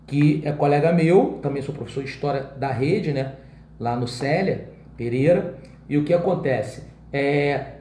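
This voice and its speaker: A man's voice: on the high side, mellow, echoey room, a little hiss or hum. A man teaching an exam-prep class in Brazilian Portuguese in a casual way, often checking in with his students.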